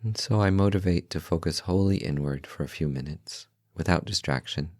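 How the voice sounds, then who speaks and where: A man leading a guided meditation in a calm, gentle, unhurried manner, leaving long pauses between short phrases. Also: low voice, dry recording, studio quality. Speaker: meditation guide, podcast host.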